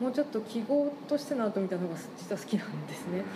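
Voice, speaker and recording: Here is a woman with a fairly high pitch. Noticeable background noise is present. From Japan, Niigata. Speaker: art space and cafe co-owner. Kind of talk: interview conversation.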